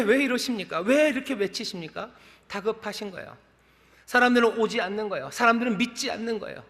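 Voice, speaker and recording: A man's voice: high-pitched, fairly bright tone, in a large hall. A male pastor preaching a Sunday sermon with rising calls and repeated questions in a large church sanctuary. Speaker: senior pastor.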